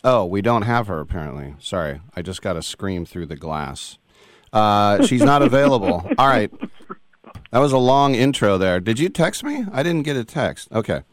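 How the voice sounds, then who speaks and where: Deep-voiced male radio host. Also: big pitch swings, normal speed, no echo. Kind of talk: radio interview.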